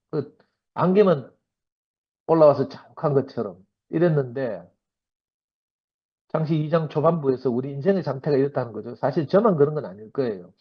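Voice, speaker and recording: Husky fifties guy with a gyeongsang accent telling church testimony stories, lively, a bit high, dull lo-fi sound. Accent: Gyeongsang Korean. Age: 50s. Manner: lively anecdotal storytelling. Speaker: church member giving a talk. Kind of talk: sermon-style personal testimony. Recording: dull lo-fi recording.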